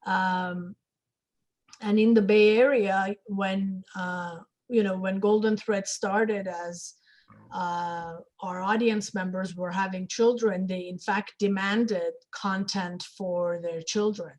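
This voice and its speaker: Slow-paced woman moderating a discussion. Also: medium pitch, steady tone, a little mellow. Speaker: interviewer and moderator.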